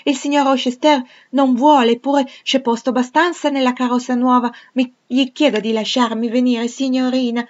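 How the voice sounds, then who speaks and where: An eager little girl begs in a raised, bright voice, as a woman reader puts her on. The pleading stays high and urgent throughout. The audio is a little dull, as in a storybook reading. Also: fairly even intonation, normal speed, hardly any pauses, lightly acted.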